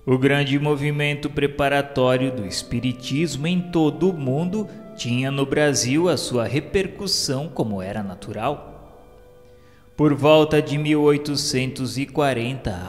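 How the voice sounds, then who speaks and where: A Brazilian man reads scripted radio-novela narration with formal reverence. His delivery is very slow, in a mid-pitched voice with long reverb, over a music bed.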